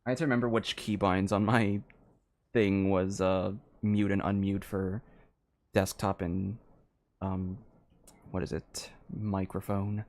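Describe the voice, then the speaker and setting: A man livestreaming a game, chatting casually in a halting, rambling way into a close microphone. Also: deep voice, little pitch movement, darkish tone, no echo.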